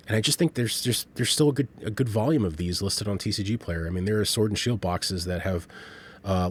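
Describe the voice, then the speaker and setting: Low-voiced man getting over the flu. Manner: informal, rambling, halting delivery. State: getting over flu, slightly off, sick-sounding voice. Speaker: host of a trading card market channel. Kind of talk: casual market commentary.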